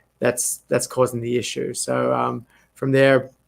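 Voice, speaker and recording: With an Australian accent, a man speaks at a moderate pace on a very clean recording with a silent background. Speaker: veterinary neurologist. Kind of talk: live Q&A. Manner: halting, many fillers.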